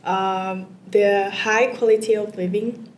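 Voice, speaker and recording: Slow, hesitant Vietnamese woman candidate. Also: mid-range voice, level tone. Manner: hesitant, many fillers and repeats. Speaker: test candidate. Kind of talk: answering exam questions. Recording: echoey room with faint noise.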